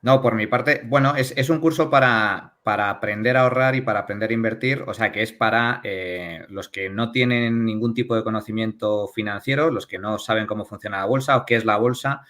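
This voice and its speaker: A man from Spain describing a course in a steady, casual panel talk, pausing often on fillers. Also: on the low side. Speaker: course instructor.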